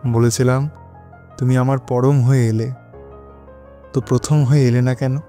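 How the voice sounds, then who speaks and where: An actor playing an anxious, hesitant widower in an audio drama, speaking dramatically in halting short phrases. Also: male voice, medium pitch, little pitch movement, warm tone, lightly acted. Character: anxious, hesitant widowed lover narrating his own unease. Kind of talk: Bengali audio drama narration and dialogue. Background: dramatic music.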